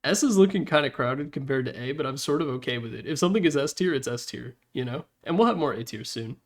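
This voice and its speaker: A man's voice: mid-range voice, expressive, fast. A man giving casual, opinionated commentary in an informal, blunt way, as a gaming content creator.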